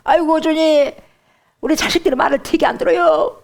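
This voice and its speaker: A woman preacher voicing a whining, self-willed churchgoer who pleads and complains to God in a high, whiny tone. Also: steady tone, brisk, vocal fry.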